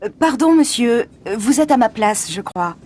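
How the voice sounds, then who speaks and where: A woman from France performing everyday scenes in a scripted dialogue for learners, speaking clearly and expressively. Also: a little high, lively intonation, normal speed, darkish tone.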